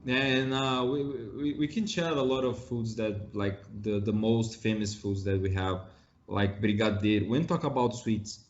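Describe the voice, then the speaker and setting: A man's voice: lowish voice, steady tone, normal speed, highs cut off. A Brazilian man hosting an interview in English with a Brazilian Portuguese accent, sometimes searching for words. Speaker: podcast host. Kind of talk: casual interview chat.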